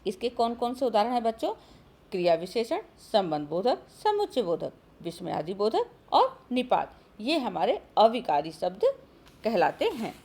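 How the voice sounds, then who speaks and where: A woman's voice: mid-range voice, huge pitch swings, moderate pace, dark tone, breathy edge. A woman teaching a grammar lesson to schoolchildren, calling them often and asking questions she then answers herself. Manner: addresses children often, asks and answers her own questions. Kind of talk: recorded online grammar lesson.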